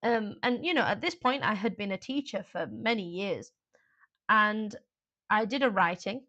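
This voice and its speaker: A woman's voice: mid-range voice, expressive, normal speed, bright, forceful tone, dull audio. A woman teaching an exam class in a chatty, informal live online lesson, with frequent fillers and asides.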